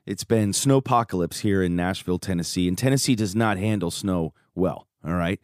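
A man with a hoarse voice hosting his podcast, upbeat and joking in casual chat. He grew up in Chicago. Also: deep voice, normal speed, a little mellow, no echo, clean studio sound. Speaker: podcast host. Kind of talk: casual podcast monologue and interview. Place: home studio.

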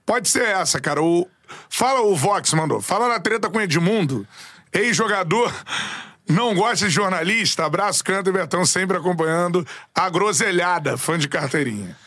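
A Brazilian podcast host runs through a string of viewer shout-outs with a Brazilian Portuguese accent. His voice is bright and fairly high. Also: lively intonation, normal speed. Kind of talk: casual podcast chat.

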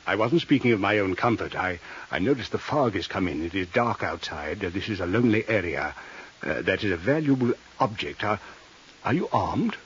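A man's voice: deep voice, lively intonation, a little fast, highs cut off, a little hiss or hum. A man acting a courteous, eccentric jeweler in a 1950s radio drama, speaking in a formal, hesitant, fussy manner. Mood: anxious, solicitous. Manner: hesitant, formal, nervously chuckling.

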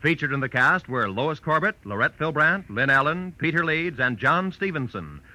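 A man's voice: on the high side, very animated, moderate pace, pushed and bright, rough recording. An American man announcing on 1940s network radio in a polished, promotional style. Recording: vintage 1940s radio broadcast.

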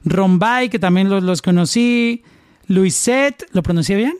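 High-voiced Colombian man hosting. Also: unhurried, clean tone, no echo, clean studio sound. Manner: chatty, reads out a long list of names, jokes about his pronunciation. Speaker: interview host. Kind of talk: casual interview conversation.

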